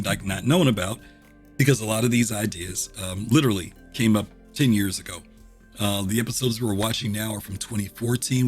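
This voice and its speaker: A middle-aged man chatting casually as a streamer reviewing a game show, full of ums and throat clears, his voice a little rough. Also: fairly low pitch. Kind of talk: casual livestream chat.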